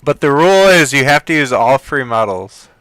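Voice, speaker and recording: A man giving casual commentary while browsing, thinking aloud in an excitable way and often trailing off quietly. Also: mid-range voice, normal speed, smooth, no echo, studio quality. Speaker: hobbyist game developer. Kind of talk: casual screen-recording commentary.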